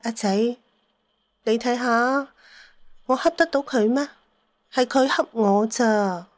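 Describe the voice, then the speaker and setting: A woman's voice: fairly high pitch, slow pace, dry recording. Elderly matriarch, acted by a woman, radio play: strong-willed, needling, mock-aggrieved, dry sound. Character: strong-willed, bossy, teasing elderly mother.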